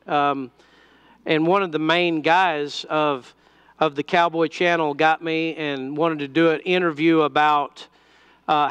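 A man's voice: a little high, a bit bright, clean tone, no room sound. Man preaching at a pulpit microphone. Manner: conversational preaching with frequent fillers and restarts. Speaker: pastor. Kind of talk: sermon.

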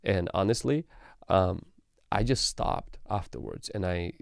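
Calm low-voiced pastor guy in his 30s talking to his stream chat, smooth voice, dry close mic. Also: measured pace, no room sound. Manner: calm conversational teaching with frequent ums. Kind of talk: livestream teaching. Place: small indoor studio room. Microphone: studio mic on boom arm.

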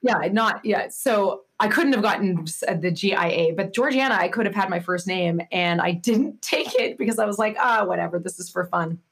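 A woman's voice: mid-range voice, moderate pace, few pauses, breathy edge. A woman in her forties, a guest author in a podcast interview, talking in a chatty way with lots of fillers. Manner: chatty, with many fillers and restarts. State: slightly nasal from losing her voice.

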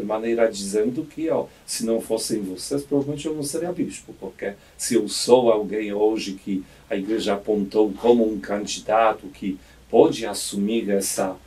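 Polish accent guy, bishop, slow and hesitant, kinda low voice, sitting a bit back from the studio mic. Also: warm tone, recorded from a distance. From Poland. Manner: reflective, hesitant with many restarts. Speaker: auxiliary bishop. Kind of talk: radio interview. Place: radio studio. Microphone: studio mic on boom arm.

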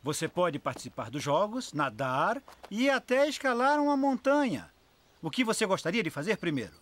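A man's voice: sits high, sing-song, normal speed, fairly bright tone. A man voicing a friendly, hearty camp leader in a children's cartoon dub, welcoming and upbeat.

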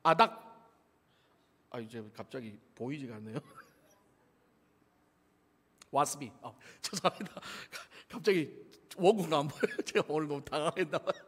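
Gyeongsang accent pastor, high lively voice, cracking jokes in a sermon, big church echo. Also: male voice, a little slow, long pauses, breathy edge. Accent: Gyeongsang Korean. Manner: joking, storytelling, laughs often. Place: church sanctuary. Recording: long church reverb.

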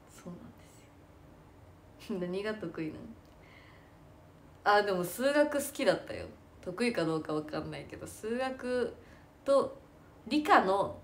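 A woman's voice: mid-range voice, a little hiss or hum. A young woman chatting casually in a self-deprecating way, laughing often as she talks. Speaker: idol and stage actress. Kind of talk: casual chat.

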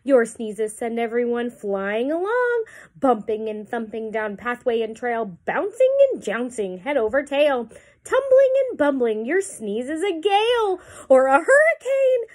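A woman's voice: a little high, sing-song, measured pace. A woman voicing a worried buffalo in a storybook who begs the elephant not to sneeze. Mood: pleading. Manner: rhyming, pleading. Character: fretful buffalo pleading with the elephant.

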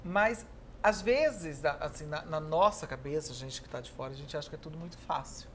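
On a pink-decorated indoor studio set, a talk show host in her thirties chats agreeably through an interview. She has a deep voice, a Brazilian Portuguese accent, and a moderate pace, with a bit of hiss or hum in the recording.

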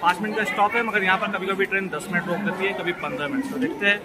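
A young man chatting casually to viewers from a train and a station platform, explaining routes and timings, recorded on a phone held at arm's length. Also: rapid-fire. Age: young adult. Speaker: train travel vlogger. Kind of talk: casual travel vlog commentary. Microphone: phone camera at arm's length. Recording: loud train rumble and platform crowd.

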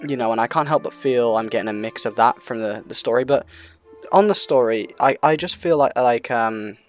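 Man, middling pitch, casual gaming commentary, rambling, repetitive, hesitant, faint music. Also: a little fast. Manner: rambling, hesitant, repeats himself. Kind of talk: unscripted casual commentary on a video game.

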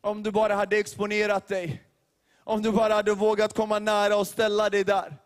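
A man's voice: high-pitched, completely flat delivery. A male youth leader preaching a sermon with emphatic, repetitive phrasing and rhetorical questions. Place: large church hall. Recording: long hall reverb.

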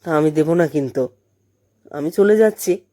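A woman's voice: sits low, unhurried, warm tone, no echo, studio quality. A woman voicing an earnest, impatient young man, a college student in love, insistent and pleading, in an audio story.

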